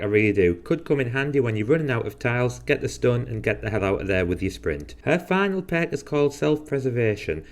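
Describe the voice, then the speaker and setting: Casual man explaining a video game. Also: mid-range voice. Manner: casual, dry sarcastic asides. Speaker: gaming video host. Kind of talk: game guide commentary.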